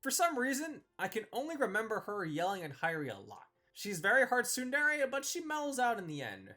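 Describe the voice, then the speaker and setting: Guy doing casual tier list commentary, bright forward voice, really animated, slangy and chatty. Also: high-pitched, brisk. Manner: informal, conversational, slangy. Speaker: video host reviewing visual novel characters.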